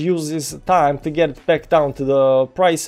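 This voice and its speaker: A man speaks with a non-native accent and ordinary pitch variation while music plays in the background. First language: not English. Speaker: crypto trading streamer. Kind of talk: live stream chart analysis. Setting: live stream. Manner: halting, many fillers.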